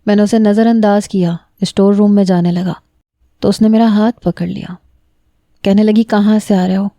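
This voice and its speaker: A woman narrating a romantic story in the first person, steady and emotional. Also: medium pitch, no room sound.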